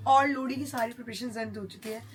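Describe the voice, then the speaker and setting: A woman's voice: on the high side, fairly even intonation, fast. A woman vlogging in a chatty way, talking straight to her viewers while she cooks and shops. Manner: chatty, addresses viewers as guys. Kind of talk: casual vlog chat to camera.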